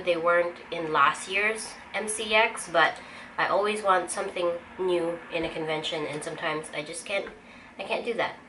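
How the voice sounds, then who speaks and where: A young woman with a light Filipino accent, chatting casually in her studio and thinking aloud while she sorts her stock. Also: lowish voice. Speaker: artist vlogger. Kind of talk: casual chat while working. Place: home art studio. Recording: noisy room ambience.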